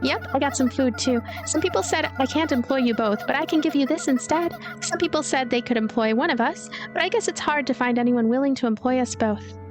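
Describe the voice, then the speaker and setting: Woman voicing a high, bubbly young girl. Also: a little fast, few pauses, over music, close to an everyday voice. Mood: cheerful. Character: cheerful, devoted young ghost girl, eager roommate.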